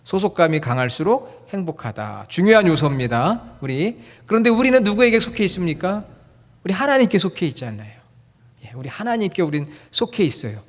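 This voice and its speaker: Fairly high-voiced man preaching in a reverberant church. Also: sing-song, a little fast. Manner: friendly, jokes and quizzes the congregation. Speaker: pastor. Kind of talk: sermon. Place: church sanctuary. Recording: long hall reverb.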